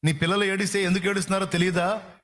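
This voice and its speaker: A man's voice: high voice, steady tone, racing, fairly bright tone. A man preaching a sermon with fervor, repeating phrases for emphasis. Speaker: pastor.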